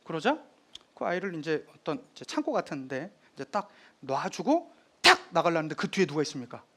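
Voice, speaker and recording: A man lecturing on history, retelling drama scenes in a lively storytelling manner. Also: on the high side, brisk.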